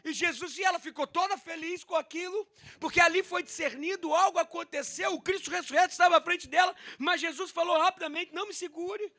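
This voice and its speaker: A man's voice: very high voice, a little fast. A male pastor with a Brazilian Portuguese accent preaching a dramatic sermon, acting out the scripture dialogue and speaking straight to his congregation. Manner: dramatic, acts out the scripture dialogue with loud swings.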